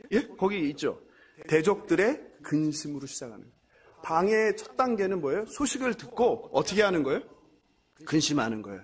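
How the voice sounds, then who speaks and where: Guy pastor preaching, fairly high voice, keeps asking the church questions then answering himself. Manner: asks the congregation questions and answers them himself; acts out the enemies' mocking voices. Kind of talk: sermon.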